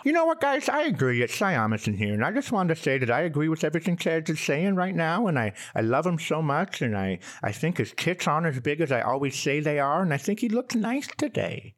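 A man's voice: fairly high pitch, sing-song, a little fast, hardly any pauses, pitched above the performer's own voice. A man voicing a gushing, fawning parody of his male co-host on a comedy podcast. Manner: fawning, over-sweet.

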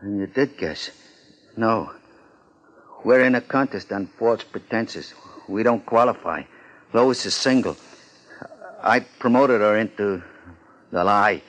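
An actor playing a nervous small-time swindler in a 1950s radio drama, with plain, slangy talk. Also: male voice, on the low side, slow, long pauses, a bit bright, low-quality recording. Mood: uneasy, confessing.

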